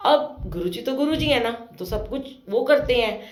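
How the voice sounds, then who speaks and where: A woman's voice: fairly high pitch, animated, moderate pace. A woman, telling a devotional story about her own life in a chatty way, full of fillers and with her family's words acted out. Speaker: satsang storyteller. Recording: roomy echo.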